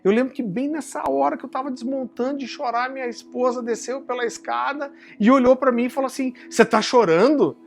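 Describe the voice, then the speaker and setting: A man with a Brazilian Portuguese accent preaching a sermon, telling warm family stories that he turns to a solemn point, often calling his listeners brother. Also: steady tone, fairly quick, creaky, hardly any pauses, soft background music. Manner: drops low and soft for solemn points. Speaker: pastor.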